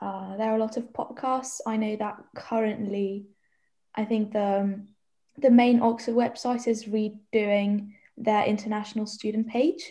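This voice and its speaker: At a fairly slow pace, a woman speaks in a somewhat breathy, fairly high voice with a dark, mellow tone and fairly even intonation. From Germany. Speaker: university student. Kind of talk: casual chat.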